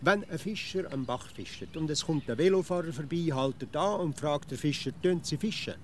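Male actor for an impatient Swiss grump in a children's radio play, slightly high pitch, faint noise behind. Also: lively intonation, normal speed, natural voice. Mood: exasperated. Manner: exasperated, sarcastic, grumbling. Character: grumpy, impatient know-it-all grown man.

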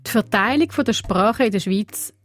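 Portuguese-native woman telling a radio story, mid pitch, faint music in the back. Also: expressive, moderate pace. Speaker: radio reporter and presenter. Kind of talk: scripted narration with reportage.

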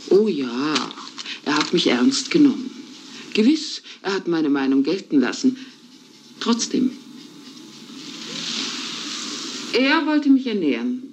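Hammy stage-style melodrama lady, wounded, drags words out slow, noisy old film track. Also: on the low side, darkish tone. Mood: bitter, theatrical. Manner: hammy, theatrical stage delivery with drawn-out words. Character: wounded, self-dramatizing melodrama woman confiding in a friend. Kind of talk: theatrical film melodrama dialogue.

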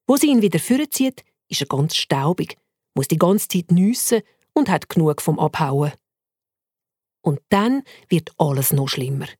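A woman narrates a children's story in Swiss German, her voice rising and falling with great liveliness. Her tone is slightly husky and breathy. The recording is close and dry, with no room sound. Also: low voice, very animated, measured pace, darkish tone, dry recording.

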